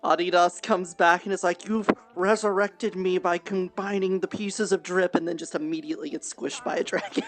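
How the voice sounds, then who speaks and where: A woman's voice: lowish voice, animated, moderate pace, few pauses. A woman chatting during an online roleplay, teasing playfully and laughing a lot. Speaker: roleplay player.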